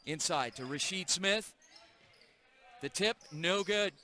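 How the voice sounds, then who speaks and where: A man calling a live high school basketball game play by play in a gym, brisk and energetic. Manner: brisk, energetic call of the action. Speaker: play-by-play announcer.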